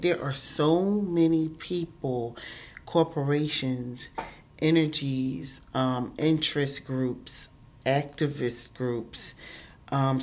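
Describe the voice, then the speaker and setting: Very deep-voiced congested woman vlogger. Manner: earnest, emphatic, repeats words, many ums. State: congested, stuffy nose. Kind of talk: casual motivational talk to camera.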